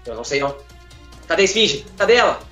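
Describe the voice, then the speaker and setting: A man's voice: fairly high pitch, sing-song, quick pace, faint music behind. A man acting as a plucky young anime hero with a playful, dramatic manner, over a video call. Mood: defiant. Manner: playful, dramatic challenge, shouted attacks. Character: plucky young anime hero challenging a villain alongside his comrade. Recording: dull, echoey video call.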